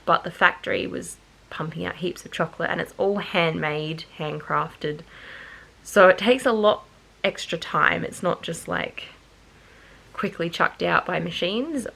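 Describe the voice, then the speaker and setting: Speaking to camera in a loose, rambling chat, a young vlogger keeps correcting herself, sounding tired and nasal from hay fever. Her mid-pitched voice is creaky yet bright and forceful. The audio quality is poor.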